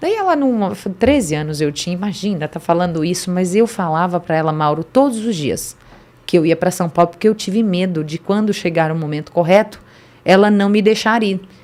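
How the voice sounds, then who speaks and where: At a fairly quick pace, a woman talks with a medium pitch and ordinary pitch variation. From Brazil, northern Minas Gerais near Bahia border. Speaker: lawyer and mayor's wife, podcast guest. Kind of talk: interview, life story.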